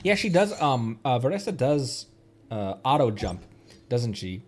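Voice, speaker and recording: A man's voice: medium pitch, big pitch swings, unhurried. A man giving casual, rambling gameplay commentary as a livestreamer, thinking aloud and often questioning himself. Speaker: game livestreamer. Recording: game music behind the voice. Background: video game music.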